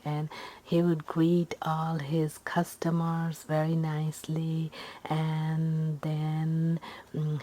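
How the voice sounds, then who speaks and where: A woman tells a story in a low, mellow voice, often slipping into a whisper. She takes her time, pausing and circling back over simple phrases in a gentle ASMR style. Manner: halting, rambling, repetitive, simple wording. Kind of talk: ASMR ghost storytelling, whispered and soft-spoken.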